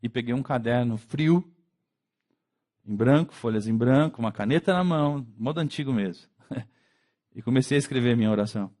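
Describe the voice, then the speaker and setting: A man with a Brazilian Portuguese accent, a pastor preaching a conversational sermon in church, acting out quick dialogues as he goes. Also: medium pitch, darkish tone.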